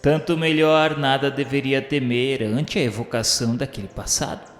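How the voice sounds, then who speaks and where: A man's voice: medium pitch, steady tone, moderate pace. A man narrating a radio drama from a script in a solemn, formal, literary manner. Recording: echoing, reverberant hall sound with music. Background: background music.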